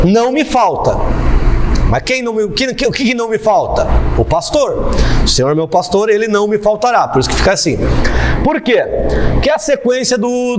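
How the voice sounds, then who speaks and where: A man teaching a theology class, explaining step by step and repeating key phrases for emphasis. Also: sits high. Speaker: theology professor. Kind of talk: classroom lecture.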